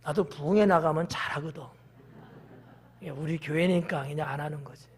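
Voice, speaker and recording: A man preaching a sermon as pastor of his church, acting out quotes and swinging from shouts to hushed whispers. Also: fairly high pitch, steady tone, normal speed, breathy edge. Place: church sanctuary.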